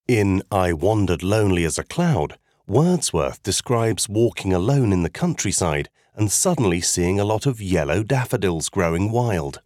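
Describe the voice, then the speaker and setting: A man giving a scripted educational narration about poetry, in a clear, measured explanatory way. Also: sits low, very animated, darkish tone, no echo, studio quality.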